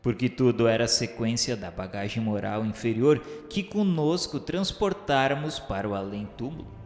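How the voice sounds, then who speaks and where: An actor with a Brazilian accent playing a solemn male spirit narrator in a radio drama, speaking in formal, measured, declamatory literary phrases. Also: medium pitch, expressive, darkish tone, lightly acted. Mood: grave, sorrowful. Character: solemn male spirit recounting his afterlife studies and remorse. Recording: echoey hall reverb under music. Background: background music.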